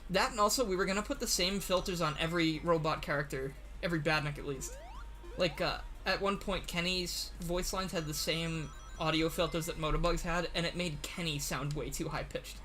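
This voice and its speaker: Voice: medium pitch, a little fast, a bit bright, soft background music. A livestream host and series writer chatting casually on a computer mic, nervous, stammering and laughing often.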